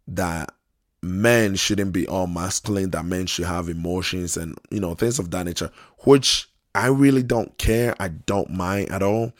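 A man hosting his own podcast in casual, unhurried talk, hoarse because he is losing his voice, often repeating and restarting phrases. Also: deep voice, dry recording, studio quality. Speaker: podcast host.

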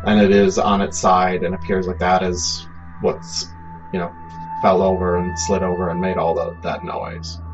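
Male game master, very low pitch, improvised conversational narration, slightly dull recording with music clearly underneath. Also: completely flat delivery. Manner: conversational, halting scene-setting.

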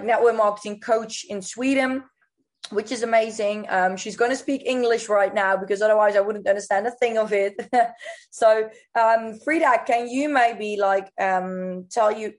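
A woman hosting a podcast interview in an enthusiastic, gushing manner. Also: mid-range voice. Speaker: podcast host and coach.

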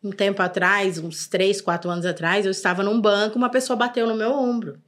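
A middle-aged woman with a Brazilian Portuguese accent, telling stories from her social work in a relaxed podcast conversation. She talks in an earnest, animated way, at an ordinary middle pitch. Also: brisk. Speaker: social services secretary, podcast guest. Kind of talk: casual podcast storytelling.

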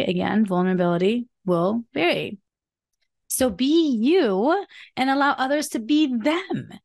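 A woman hosting a self-help podcast, speaking in a soft, fairly high voice, earnest and encouraging, often adding "like" and "right?". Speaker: podcast host.

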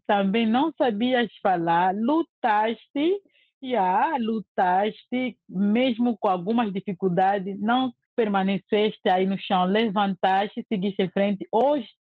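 A woman's voice: medium pitch, no echo. Angolan woman, earnest casual testimonial, dry phone-quality audio. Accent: Angolan Portuguese. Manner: earnest and emphatic, with frequent restarts. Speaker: language course student giving a testimonial.

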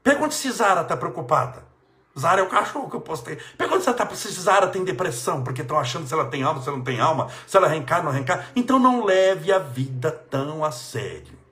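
A man with a Brazilian accent gives a motivational religious talk. His voice sits high and swings widely in pitch. He hammers his points with repetition and the odd chuckle. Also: sing-song, fast talker, fairly bright tone. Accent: Brazilian Portuguese. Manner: emphatic, repeats phrases for stress, chuckles. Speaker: politician giving life advice.

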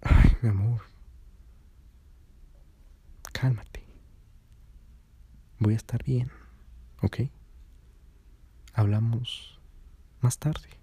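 A drunk young woman who slurs and soothes to dodge a fight, as a male storyteller puts her on. The voice is husky and breathy and drawls slowly. It sounds dry and close-miked. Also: medium pitch, fairly even intonation, mellow, dry recording. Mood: placating. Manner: slurred, placating, sweet-talking.

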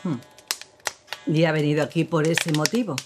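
A woman playing a guarded female opera singer, widow of a fallen man, who speaks in a cool, measured, evasive way in a radio drama. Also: low voice, fairly even intonation, background noise, natural voice.

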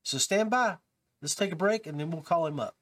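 A man's voice: on the high side, lively intonation, a little fast, fairly bright tone. A man hosting a fishing podcast, talking casually and rambling a bit with fillers and restarts. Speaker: podcast host.

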